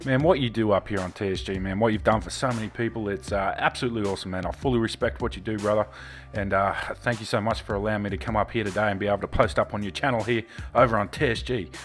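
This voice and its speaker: A man talks at a very fast pace in an Australian accent. His pitch is fairly low. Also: ordinary pitch variation. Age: 30s. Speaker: gaming commentator. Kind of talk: casual commentary. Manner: animated.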